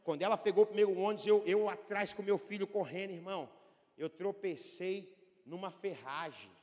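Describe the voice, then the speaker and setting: A man from Brazil preaching a fervent sermon as pastor, swinging from hushed storytelling to shouting. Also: high-pitched, normal speed, highs cut off. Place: church hall with long reverb. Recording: reverberant church hall.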